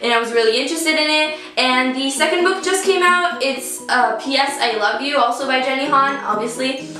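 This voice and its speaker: A woman's voice: sits high, normal speed, bright, forceful tone. A teenage girl with an Italian accent, chatting bubbly and directly to her viewers about books she bought. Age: teens. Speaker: book vlogger. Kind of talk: casual book haul chat. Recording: echoey room, distant mic, faint music.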